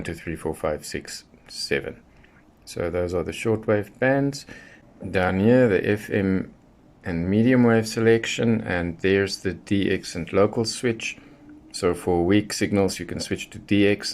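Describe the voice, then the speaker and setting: A man giving a casual, unscripted product review in a measured, matter-of-fact way with pauses between short phrases. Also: deep voice. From South Africa. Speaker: radio hobbyist presenter.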